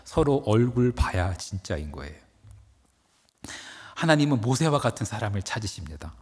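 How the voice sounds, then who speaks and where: A man's voice: fairly low pitch, sing-song, normal speed, husky, big-room sound. A male pastor delivering a dawn-service sermon with dramatic, emphatic storytelling. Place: church sanctuary.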